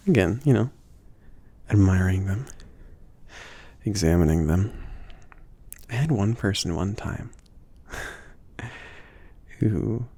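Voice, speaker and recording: A man playing a bashful, indulgent mage shopkeeper in an intimate ASMR roleplay, speaking in a breathy, gravelly half-whisper with a hesitant, gently teasing, rambling manner. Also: lowish voice, drawn-out words, pauses often, full character voice. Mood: casual, reminiscing. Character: soft-spoken, bashful, easygoing male mage shopkeeper, indulgent.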